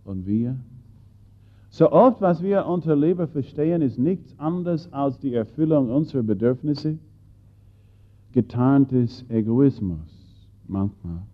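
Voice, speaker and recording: A man preaching a sermon, swinging between loud bursts and hushed lines and putting questions to his listeners. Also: medium pitch, expressive, slow pace. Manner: addresses listeners directly with questions. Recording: tinny phone-like audio.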